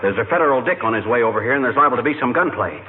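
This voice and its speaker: A man's voice: very fast, phone-quality sound, lightly acted. A man playing a blustering small-town busybody. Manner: excitable, boastful, jumps in pitch. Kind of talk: 1940s radio comedy acting. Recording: scratchy old radio broadcast, hissy.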